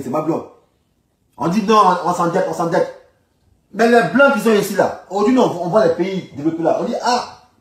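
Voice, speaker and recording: Man, Ivorian accent, slightly high pitch, emphatic, repetitive, combative informal commentary, very roomy recording. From Ivory Coast. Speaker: political commentator. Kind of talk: informal political rant. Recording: roomy, echoing sound.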